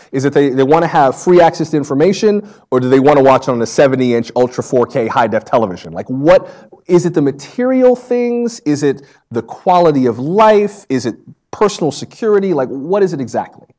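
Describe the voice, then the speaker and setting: A middle-aged man moderates an onstage conversation in a lecture hall. His voice sits at an ordinary middle pitch for a man. He frames long, measured questions and builds them up step by step. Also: expressive, darkish tone. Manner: measured, lays out questions at length. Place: stage in a lecture hall with a seated audience.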